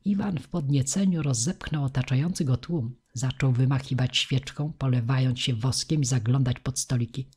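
A woman narrating an audiobook in a measured, expressive reading. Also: a bass voice, slightly rough. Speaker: audiobook reader.

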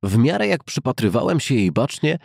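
A man narrating a novel as an audiobook in a measured, formal storytelling manner. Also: mid-range voice, sing-song, vocal fry, slightly rough, dry recording, studio quality. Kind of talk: scripted literary narration of a novel.

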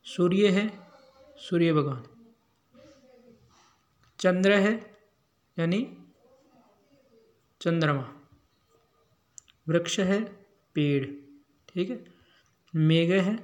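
Man teaching a Sanskrit lesson. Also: fairly high pitch. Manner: repeats each word with its Hindi meaning in a steady drill. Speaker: teacher running an education channel.

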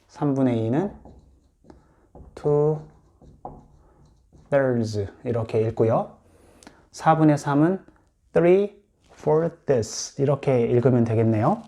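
A man's voice: medium pitch, dark tone. A man teaching English in Korean, patiently explaining and repeating each English word for practice. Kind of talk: explanatory lesson.

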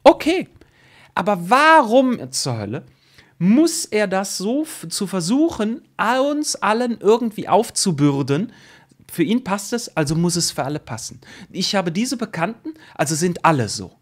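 A man's voice: high voice, sing-song, unhurried. A man in his late thirties giving opinionated commentary to camera, emphatic and indignant, full of rhetorical questions, close on a studio mic at home. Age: late 30s. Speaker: YouTube host and commentator. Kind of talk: opinionated reaction commentary, reading an article aloud. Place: small home studio room, indoors. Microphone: close microphone on a boom arm.

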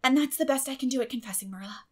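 Theatrical little girl for an audiobook, high breathy voice, super dramatic and wordy. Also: very fast, soft background music. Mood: theatrical confessing. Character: dramatic, imaginative young girl, pleading and theatrical.

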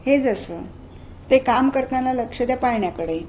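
Mellow-voiced woman giving a devotional talk. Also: high voice, expressive, normal speed, a little hiss or hum. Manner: gentle, affectionate, often asks "isn't it?". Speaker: spiritual speaker. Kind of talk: devotional discourse with parables.

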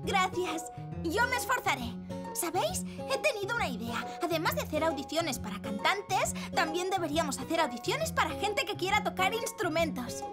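A gentle, caring ambulance hero from a children's cartoon. Her very high voice is lively and encouraging, with clear music behind it. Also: normal speed. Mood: kind, earnest. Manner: kind, encouraging. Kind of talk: Spanish-dubbed children's cartoon acting.

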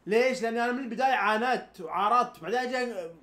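A man argues his case in rapid, insistent bursts, his voice sitting high for a man. He repeats himself for emphasis. The sound is roomy and echoey, with a faint hiss underneath. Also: fairly bright tone. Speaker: show host. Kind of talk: heated casual debate.

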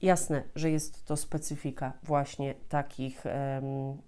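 A woman's voice: extremely low pitch, level tone, slow, mellow, smooth. A woman in her thirties giving an explanatory talk as a teacher, often repeating and rephrasing as she goes. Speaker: host, Polish language teacher. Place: small furnished room at home, indoors.

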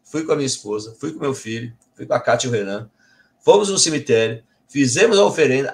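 Man telling a personal story. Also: medium pitch. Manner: earnest, self-correcting storyteller. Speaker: Umbanda medium and channel host. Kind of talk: personal testimony to viewers.

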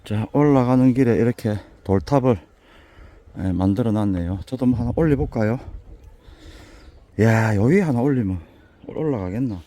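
An older man with a Busan accent, hoarse and a bit winded, chatting folksily as he walks a mountain path for his vlog. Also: mid-range voice, normal speed, long pauses, dark tone. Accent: Busan Gyeongsang dialect. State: out of breath from climbing. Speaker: vlogger touring local alleys. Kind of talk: casual walking vlog.

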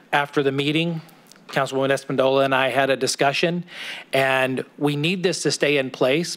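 A man's voice: medium pitch, a bit bright. A middle-aged man speaking as a city council member in a council chamber, arguing his point step by step. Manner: persuasive, argues point by point. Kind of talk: council meeting remarks. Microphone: desk microphone.

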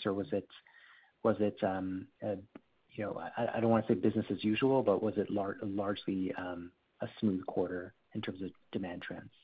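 A male financial analyst with a lowish voice puts questions on an earnings call. His delivery is halting and careful. The line is thin and telephone-like. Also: husky. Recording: narrow phone line.

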